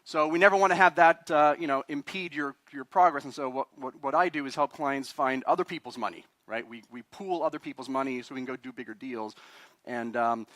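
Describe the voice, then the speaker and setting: Fast, chatty man from Chile. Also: medium pitch, fairly bright tone, dry recording. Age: 40s. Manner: chatty, quizzes the audience, self-deprecating. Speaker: guest speaker, attorney. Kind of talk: live talk to a meetup audience.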